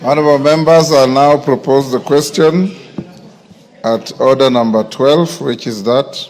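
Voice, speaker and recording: A man's voice: medium pitch, a little slow, darkish tone. A man with a Kenyan accent presiding over parliament in a formal, official, procedural way. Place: large indoor parliament chamber. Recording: reverberant large hall.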